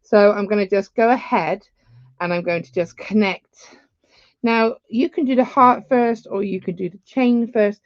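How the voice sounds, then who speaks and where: A woman's voice: mid-range voice, a little slow, no echo, highs cut off. A woman, giving a chatty live beading tutorial with rambling asides. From England.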